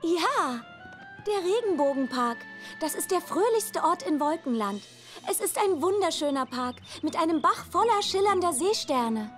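A woman's voice: very high voice, lively intonation, normal speed, faint music behind. A woman voicing a sweet, helpful female bear librarian in a cartoon, gushing and cheerful.

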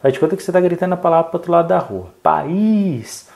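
A man's voice: a little high, very fast. A man with a Brazilian accent teaching an exam-prep lesson, explaining step by step and constantly checking in with "right?" tags. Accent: Brazilian Portuguese. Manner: lively, peppers speech with "tá bom?" and "né?" checks; explains step by step, asking and answering his own questions.

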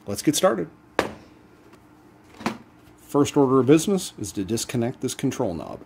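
A man hosting a do-it-yourself channel, explaining a repair step by step in a relaxed, casual way as he works at a bench. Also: mid-range voice, moderate pace, creaky, noisy background. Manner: relaxed step-by-step explaining while working hands-on. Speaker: DIY channel host. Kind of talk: casual how-to demonstration.

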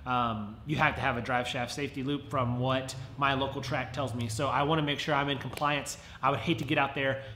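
A man's voice: mid-range voice, steady tone, brisk, hardly any pauses, pushed and bright, slight background noise. Congested man vlogging in an echoey garage. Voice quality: nasal. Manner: friendly, chatty, talks to viewers directly. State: congested from a head cold. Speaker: car vlogger. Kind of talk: casual how-to vlog. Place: home garage, indoors. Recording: roomy garage echo.

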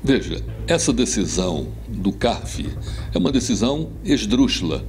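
Halting older Brazilian man being interviewed. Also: lowish voice, very animated, darkish tone, slight background noise. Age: 60s. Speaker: government official interviewee. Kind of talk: TV interview answer. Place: indoor room.

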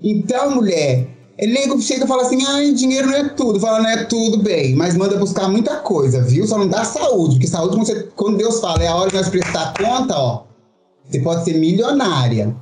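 A middle-aged woman with a Brazilian Portuguese accent, a show performer telling her story as an interview guest. She talks in a theatrical, animated way and keeps checking that the listener understands. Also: mid-range voice, a little fast, roomy sound, soft background music. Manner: animated, theatrical, acts out quotes, keeps asking "you understand?".

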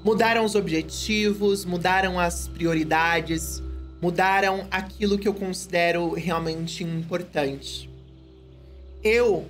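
A thirty-year-old woman with a Brazilian accent, commenting on a game to her live chat in a reflective, emphatic way. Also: on the low side. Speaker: game streamer. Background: game music.

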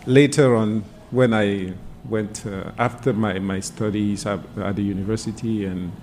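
A man from Cameroon, a guest in an interview, speaking in a measured, halting way with frequent pauses. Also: fairly low pitch, fairly even intonation, darkish tone, a little hiss or hum. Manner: measured, halting, many "uh" fillers. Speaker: guest, environmental sociologist. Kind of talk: casual interview conversation.

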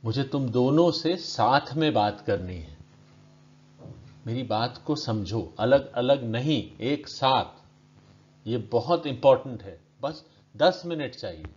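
A man voicing a calm, persistent stranger in white clothes who keeps pleading with two men to hear him out. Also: medium pitch, unhurried, long pauses. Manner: pleading, insistent. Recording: dull lo-fi recording.

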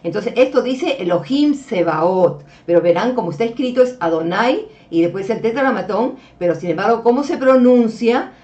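A female religious teacher with a warm, expressive, higher-pitched voice lectures over slides at a moderate pace with few pauses. She explains patiently, addresses the listeners as beloved brethren, and often checks in with "ok?" and the filler "este." The mic is distant and dull.

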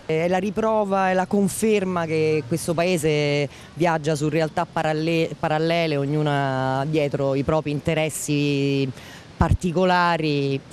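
A woman's voice: sits low, fairly even intonation, a little slow, darkish tone. A woman in her forties giving an articulate, critical answer in a street interview. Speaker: interviewed passer-by. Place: outdoors by a shop entrance. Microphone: handheld interview microphone. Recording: faint street noise.

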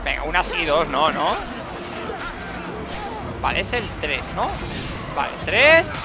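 A man with a Spain Spanish accent giving jokey, excitable gameplay commentary and talking to the game characters. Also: fairly high pitch, slow. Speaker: gaming channel host. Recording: game music and sounds behind.

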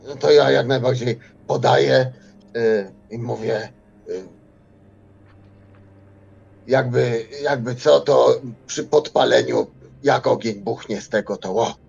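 A man's voice: mid-range voice, fairly even intonation, slow, creaky, long pauses, a little mellow, husky. A man talking casually as a player in a tabletop roleplaying game, through a dull microphone.

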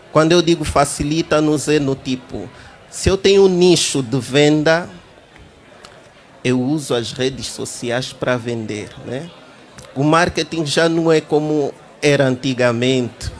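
A man in his thirties with an Angolan Portuguese accent, explaining at length on a tech fair panel stage with a handheld microphone. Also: mid-range voice. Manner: explanatory, lively, addresses the audience directly. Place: large indoor event stage.

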